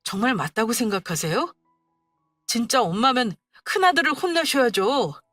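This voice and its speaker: A woman's voice: a little high, animated, normal speed, sharp tone, dry recording, soft background music. Woman doing an exasperated grown son. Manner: firm, pleading, exasperated. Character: overworked adult son standing up to his mother, exasperated. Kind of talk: dramatized story reading.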